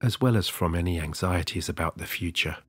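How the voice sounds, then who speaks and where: A man leading a guided sleep hypnosis session, talking softly and slowly with long pauses. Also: deep voice, breathy edge, no echo. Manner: soft, slow and soothing, with long pauses. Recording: dry close studio voice over soft music.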